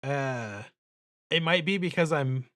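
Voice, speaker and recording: A man's voice: expressive, takes it slowly, fairly bright tone. A man livestreaming casually as he draws, thinking aloud in a mumbly, self-deprecating way. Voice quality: deep voice. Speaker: livestreaming illustrator and host. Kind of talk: casual livestream chat while drawing. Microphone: streaming microphone.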